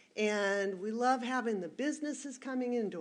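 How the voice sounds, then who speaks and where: With an American accent, this voice moves at a moderate pace with ordinary pitch variation and audible room echo. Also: woman. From US Pacific Northwest, Des Moines, Washington. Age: 60s. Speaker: retired police officer, public commenter. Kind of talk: public comment at council meeting. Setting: city council chamber.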